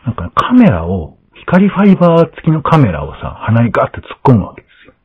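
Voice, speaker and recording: A man hosting a podcast, chatting casually and telling a story in an animated way, acting out the lines of the people in it. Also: mid-range voice, fast, slightly rough. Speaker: podcast host. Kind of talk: casual chat. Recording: dull lo-fi sound.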